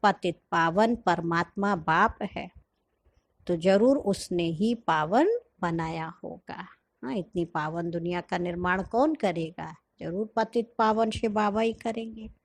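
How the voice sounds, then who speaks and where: A woman delivers a spiritual sermon at an unhurried pace. She speaks gently and patiently, quoting a teacher and then explaining each point. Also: lowish voice. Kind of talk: sermon explaining a scripture reading.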